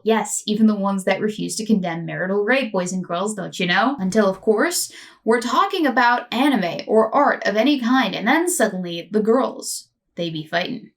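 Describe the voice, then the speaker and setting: A woman's voice: medium pitch, distant mic. A woman host narrating a scripted commentary video with a sardonic, mocking edge.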